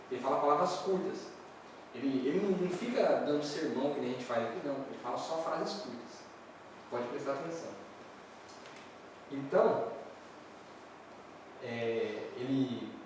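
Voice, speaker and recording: A man's voice: mid-range voice, noisy background. A male pastor preaching a sermon, repeating key points and asking the congregation rhetorical questions. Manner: repetitive, with many rhetorical questions. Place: large echoey church hall. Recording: very echoey hall, voice heard from far off.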